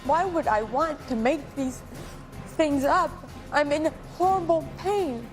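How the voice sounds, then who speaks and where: A woman's voice: high voice, slow pace, faint music behind. A woman with slurred, medicated-sounding speech, talking about herself as a guest in a talk show interview.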